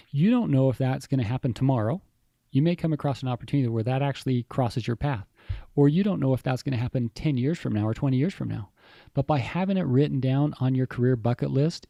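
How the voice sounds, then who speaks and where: A man talks as an interview guest, warming to his point with animated, enthusiastic storytelling. His voice is mellow and relaxed in tone, and the sound is dry and close, with no room around it. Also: medium pitch, vocal fry, no room sound. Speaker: HR executive guest. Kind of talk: interview conversation.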